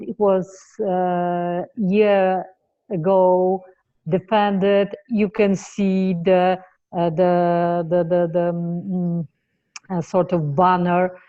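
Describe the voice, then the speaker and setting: A woman from Poland introduces herself over a video call. Her fairly low voice is slow and halting, with many fillers. The sound is dry and tinny, like a phone line. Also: dry recording. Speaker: participant. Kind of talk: casual self-introduction.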